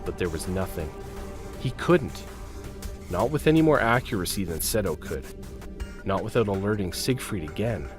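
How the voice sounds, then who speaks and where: A man narrates a dramatic story in a fairly low voice. His delivery is intense and suspenseful, broken into short phrases with wide swings of pitch, over clearly audible music. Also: animated, normal speed, pauses often.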